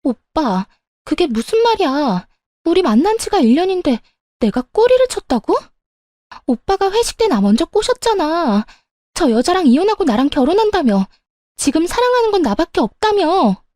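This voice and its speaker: A brazen young mistress, played by a woman narrator, talks in a high, taunting voice that leaps around in pitch. She is smug and defiant. The sound is dry and close. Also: sing-song, moderate pace, a little mellow, dry recording. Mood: shrill.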